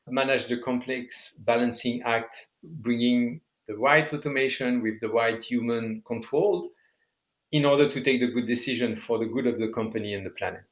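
A man's voice: mid-range voice, lo-fi sound. A man speaking confidently as a podcast guest. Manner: confident, visionary statements. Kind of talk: business interview talk. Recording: echoey room.

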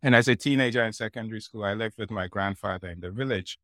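Earnest low-voiced man telling a story. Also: quick pace, a bit bright, dry recording. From Ghana, raised in Nigeria. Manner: earnest, reflective, conversational. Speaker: venture capital investor guest. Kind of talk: personal storytelling in a podcast interview.

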